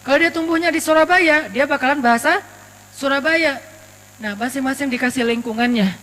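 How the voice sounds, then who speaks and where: A man from Aceh giving a casual, lively sermon, telling stories with humor and quoting Arabic verses. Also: very high voice, a little fast. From Aceh, Indonesia. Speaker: preacher. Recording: long reverb with mains hum.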